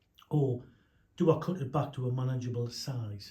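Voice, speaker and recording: At a moderate pace, a man with a medium pitch speaks in a dark, mellow tone that is somewhat breathy, with ordinary pitch variation. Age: 60s. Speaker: model railway hobbyist YouTuber. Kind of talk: casual vlog talk. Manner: halting.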